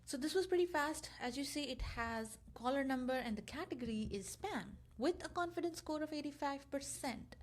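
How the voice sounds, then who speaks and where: A woman with a somewhat high voice walks through a software demo as a tutorial presenter. Her delivery is informal and explanatory, sounding loosely scripted, in the manner of a casual screencast. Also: expressive, moderate pace, hardly any pauses.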